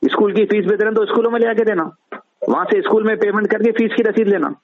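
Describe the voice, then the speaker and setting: Tinny phone recording, Hyderabadi man, slightly high voice, opinionated, explanatory, repetitive casual talk. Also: fairly even intonation, fast talker. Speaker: interviewee on a phone call. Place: on a phone line.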